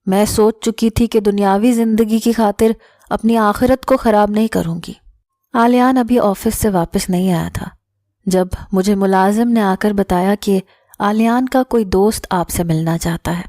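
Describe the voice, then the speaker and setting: A woman's voice: mid-range voice, dark tone, dry recording, clean studio sound. A woman narrating an emotional first-person story in an earnest reading style.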